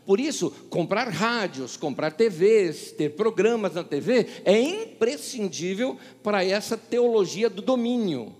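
A man's voice: sits high, unhurried, few pauses, breathy edge, big-room sound. A male pastor with a Paulistano Brazilian Portuguese accent preaching a sermon, telling stories and acting out the dialogue. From São Paulo, Brazil. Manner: storytelling, acting out dialogue with lively shifts.

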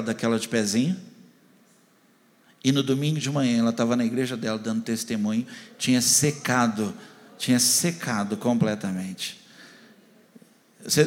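A man, a pastor, preaching a sermon and telling a story with animated dialogue. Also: mid-range voice. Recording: long hall reverb.

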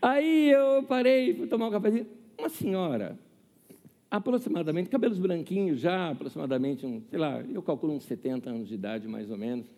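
A man's voice: fairly high pitch, animated, a little fast, mellow, long reverb tail. A man in his fifties preaching a sermon, chatty and humorous, often asking the audience questions and telling a personal story. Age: 50s. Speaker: pastor.

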